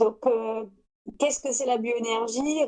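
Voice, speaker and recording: With a southwestern French accent, a woman speaks in a high pitch with a dark, mellow tone and fairly even intonation. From southwestern France, near Toulouse. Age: 20s. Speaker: animal bioenergy therapist. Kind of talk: casual chat.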